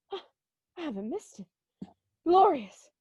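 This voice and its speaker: A woman's voice: very high-pitched, sing-song, takes it slowly, dry recording, muffled recording, heavily acted. A woman playing an old male miser, giddily reformed and penitent, in an amateur dramatic reading full of exclamations. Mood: giddy joy. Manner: exclamatory, effusive.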